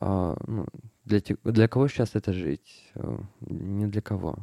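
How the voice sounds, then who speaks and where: A man with a fairly low pitch and a dark, mellow tone, the sound dry and close with no echo. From Moscow, Russia. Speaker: drag performer. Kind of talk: casual chat. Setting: studio.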